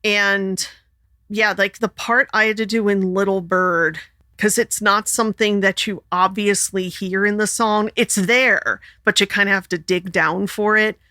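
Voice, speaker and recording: A woman's voice: steady tone, measured pace, bright, forceful tone, no room sound, clean studio sound. A woman co-hosting a podcast, chatting casually and laughing often. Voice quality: sings alto and high tenor. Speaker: podcast co-host. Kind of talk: casual chat.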